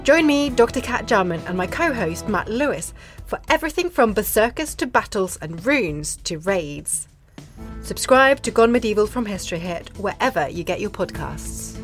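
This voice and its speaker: A woman's voice: medium pitch, big pitch swings, moderate pace, over music. Woman teasing a podcast in a promo. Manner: playful, teasing questions.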